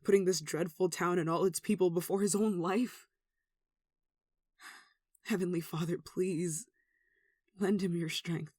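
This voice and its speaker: Someone acting a gentle devoted human in asmr drama, earnest soft emotional voice, middle pitch, really dry sound. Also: steady tone, a little slow, pauses often, no echo, natural voice. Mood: pleading, anguished. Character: devout, tender human devoted to a gentle demon. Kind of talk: ASMR roleplay, one-sided dramatic dialogue.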